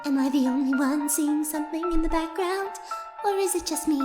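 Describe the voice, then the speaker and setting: A woman's voice: high voice, fairly quick, music in the background, lightly acted. A woman voicing an inquisitive fan, reading questions for a comic dub in a reverberant space. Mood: curious. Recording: echoey, reverberant room.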